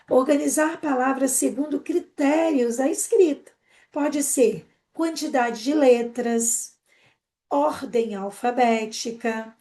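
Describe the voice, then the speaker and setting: A woman with a Brazilian Portuguese accent giving a live online training for teachers, explaining quickly and eagerly with many "né?" tags. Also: high voice, dark tone.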